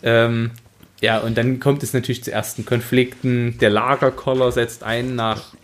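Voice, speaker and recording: A man's voice: medium pitch, flat delivery, normal speed. A man co-hosting a podcast, talking through a book in a conversational, explanatory way. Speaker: podcast co-host. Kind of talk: casual book discussion.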